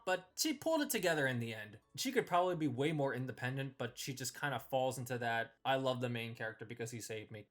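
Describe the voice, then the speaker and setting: A man's voice: fairly high pitch, pushed and bright. A man hosting a casual ranked-list review, giving opinionated commentary on characters.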